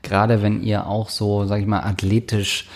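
A man's voice: lowish voice, flat delivery, normal speed. A man in casual comedy podcast banter, trading crude, teasing jokes with his co-host. He sounds loose and playful as he introduces listener questions and pokes fun at the topic.

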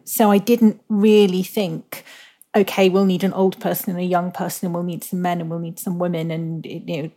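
Woman, novelist guest, thoughtful, unhurried, somewhat low-pitched. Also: dark tone. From Scotland. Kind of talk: casual interview chat.

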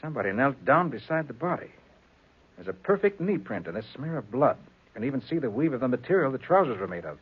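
An actor playing a calm, matter-of-fact master detective with an authoritative manner in a 1940s radio crime drama. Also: male voice, medium pitch, quick pace, breathy edge. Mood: businesslike. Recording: muffled, hazy 1940s radio recording.

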